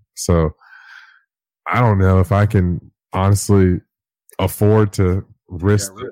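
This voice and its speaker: The tone is dark and mellow. Long pauses come often. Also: man, fairly low pitch for a man, fairly slow pace, very clean recording, silent background. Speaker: soccer podcast co-host. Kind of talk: casual chat. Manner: venting, animated.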